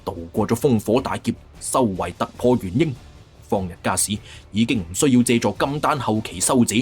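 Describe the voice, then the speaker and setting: A male audiobook narrator with a Cantonese accent tells a fantasy tale dramatically. His voice is husky and moves through wide pitch swings, with music playing underneath. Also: animated, moderate pace.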